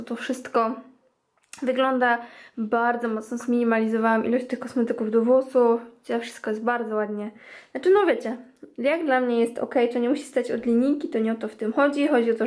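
This clean-with-me vlog features a young woman, a beauty vlogger, scrubbing her home bathroom and washing makeup brushes while chatting to her "girls." Her voice is on the high side with a darkish tone, and the sound is roomy.

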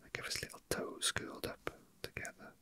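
At a table inside, a young man who hosts ASMR videos keeps up a soft, breath-heavy whisper. It drifts along slowly with hesitant pauses, much like idle remarks made while his hands are busy.

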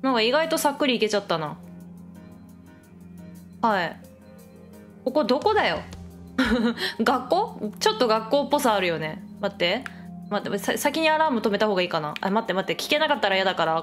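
Lively woman narrating her own gameplay. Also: fairly high pitch, brisk, soft background music. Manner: chatty self-talk, frequent laughter and surprised exclamations. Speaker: game streamer. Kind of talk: Let's Play commentary.

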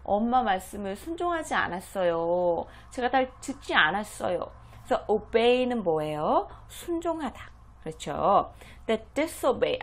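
Slow, lively woman teaching English phrases. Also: mid-range voice. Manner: explains each phrase, repeats English lines slowly. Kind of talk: slow, deliberate language lesson.

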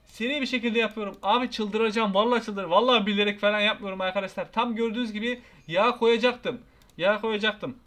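A young man giving excitable, frustrated gameplay commentary, shouting at the characters on screen. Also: high voice, a little fast. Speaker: gaming YouTuber.

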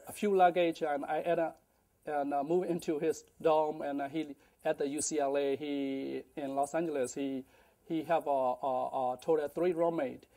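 A middle-aged man telling his life story in a halting lecture, with many fillers and restarts, on a lapel mic in a large indoor kitchen. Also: a little high, steady tone, dark tone. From Burma. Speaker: guest speaker.

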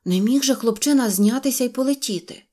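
Little toy puppy, devoted and eager, higher excited voice, woman reading, storybook tale. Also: brisk, natural voice.

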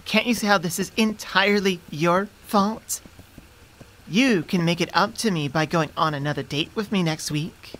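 A woman's voice: on the low side, normal speed, lightly acted, rough recording. A woman voicing an affectionate, teasing, easily flustered young centaur girlfriend in an intimate ASMR roleplay, sweet and conversational, close on the mic. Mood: fond, teasing. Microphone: close studio microphone.

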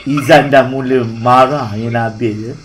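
A man's voice: medium pitch, steady tone, unhurried, crowd noise, rough recording. A man with a Malaysian Malay accent hosting a gaming stream, teasing his teammates in casual banter. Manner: teasing, playful, calls others "Cok".

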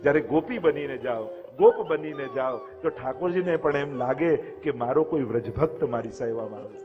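A man's voice: mid-range voice, normal speed, phone-quality sound. Man preaching in an echoey hall. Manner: conversational preaching with rhetorical questions. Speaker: religious speaker. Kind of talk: devotional discourse.

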